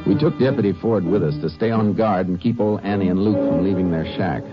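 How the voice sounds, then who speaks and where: A man playing a steady, shrewd Texas Ranger in an old radio drama, with an American accent. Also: low voice, fairly quick, over loud music, close to an everyday voice. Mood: grave narration. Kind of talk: 1950s radio drama acting. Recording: dull, muffled old radio broadcast.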